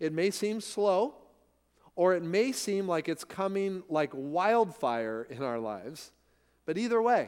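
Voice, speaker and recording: In a very clean recording with a silent background, a man's voice swings very widely in pitch. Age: 60s. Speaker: pastor. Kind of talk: sermon. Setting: church.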